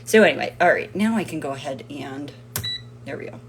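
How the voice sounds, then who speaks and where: Chatty low-voiced woman cooking at home. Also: lively intonation, fairly quick, gravelly, background noise. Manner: chatty and rambling, with playful sing-song nonsense rhymes. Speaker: cooking video host. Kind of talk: casual cooking demonstration. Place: home kitchen.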